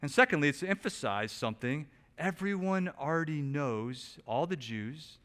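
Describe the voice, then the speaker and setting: A man preaching a sermon, asking rhetorical questions and swinging between quiet, low stretches and loud, emphatic bursts. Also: animated, moderate pace. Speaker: pastor. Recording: long reverb of a large hall.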